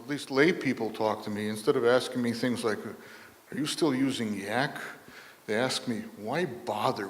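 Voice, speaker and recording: Man with a Chicago accent, hall echo. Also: mid-range voice. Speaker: conference speaker. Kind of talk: lightning talk. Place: conference hall. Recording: hall reverb.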